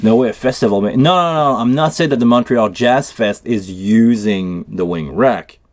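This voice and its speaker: Working on a cable build, this Quebec-accented livestream host, French being his first language, rambles casually about tech as he thinks out loud. He speaks at medium pitch and a moderate pace, and the recording has no echo.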